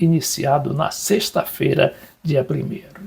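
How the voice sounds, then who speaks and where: A man is speaking. His pace is fairly slow. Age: 70s. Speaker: political commentator. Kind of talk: news commentary reading article.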